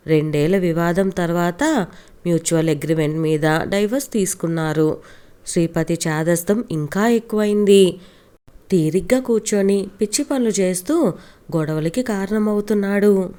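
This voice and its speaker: A woman storyteller narrating an audiobook story in a calm, steady reading voice. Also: on the low side.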